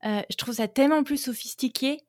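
A woman's voice: high voice, a little fast, a little mellow, no echo, studio quality. A woman hosting an interview, asking questions in a playful, teasing way and laughing easily. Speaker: podcast host. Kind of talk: casual interview chat.

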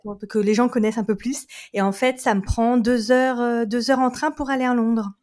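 A woman's voice: fairly high pitch, steady tone, normal speed, a little mellow. Chatty, laughing French woman. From France. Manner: chatty, laughs often, many fillers and restarts. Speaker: guest, family lawyer. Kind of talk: casual interview chat.

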